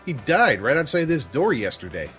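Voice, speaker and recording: An actor playing a cranky, harried police boss in an audio drama, grumbling with weary sarcasm. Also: male voice, on the high side, very animated, normal speed, a bit bright, soft background music. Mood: weary, exasperated.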